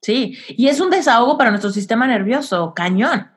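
A woman hosting a podcast interview, affirming her guest and asking lively questions. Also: a little high, fairly quick. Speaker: podcast host. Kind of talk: supportive interview.

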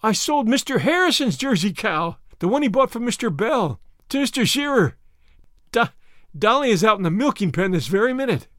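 A man's voice: high-pitched, very animated, a little fast, dry recording, studio quality. A man voicing a young imaginative girl, impulsive and dramatic, speaking in a breathless, distressed way. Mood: distraught.

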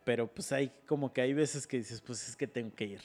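A man's voice: mid-range voice, fairly quick, darkish tone, faint music behind. A young man with a Mexican Spanish accent telling stories in casual, crude, slang-heavy chat. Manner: crude slangy storytelling, laughs often.

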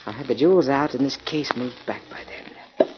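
An actor playing a cornered, murderous jewel thief with an American accent in a 1940s radio drama, agitated and threatening. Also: male voice, mid-range voice, moderate pace, close to an everyday voice. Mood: furtive, alarmed. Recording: noisy, dull 1940s radio recording.

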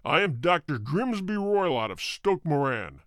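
A man's voice: fairly high pitch, big pitch swings, unhurried, dry recording, clean studio sound. A man voicing a huge, fierce old country doctor who snarls threats furiously.

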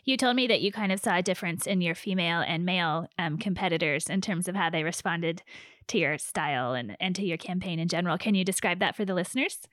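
Low-voiced woman interviewer in a dry studio. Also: dry recording. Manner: warm, affirming, with quick back-channel replies. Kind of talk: radio interview.

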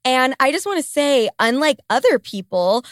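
A woman's voice: sits high, big pitch swings, moderate pace, no room sound, clean studio sound. A woman in her late twenties with a congested, stuffy-nosed voice, talking casually and candidly as a solo host, swearing and grumbling comically. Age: late 20s. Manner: profane, comically complaining. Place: small basement home studio. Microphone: close studio microphone.

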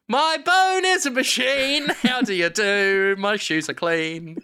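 A man co-hosting a comedy podcast, spinning absurd made-up stories with a deadpan delivery. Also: sits high, takes it slowly, clear, resonant tone. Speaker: podcast co-host. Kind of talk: improvised comedy chat.

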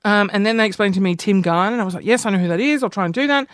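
A man with a high-pitched voice hosting a podcast, telling a story in an animated, self-deprecating way. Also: rapid-fire, no room sound, studio quality. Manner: animated, self-deprecating, jumps between high and low tones. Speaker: podcast host. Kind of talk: casual storytelling monologue.

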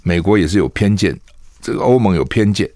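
An older Taiwanese radio talk show host delivers opinionated commentary packed with scolding rhetorical questions. His low-pitched, darkish voice is animated and a little fast, captured on a studio microphone with clean sound and no echo.

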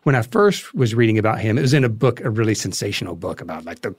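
A man being interviewed as a guest, telling anecdotes conversationally and haltingly as he thinks aloud. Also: on the low side, big pitch swings, slightly rough, dry recording, clean studio sound.

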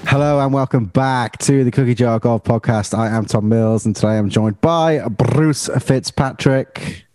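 A man's voice: medium pitch, measured pace, darkish tone, faint music behind. A man hosting a podcast, running through the agenda in casual chat with a teasing edge. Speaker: podcast host.

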